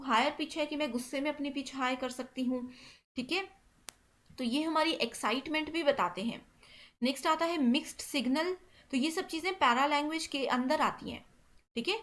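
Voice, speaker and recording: A woman teaching an exam-prep lesson, mixing English terms into Hindi and checking in with "theek hai" after each point. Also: high-pitched. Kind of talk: explaining exam questions.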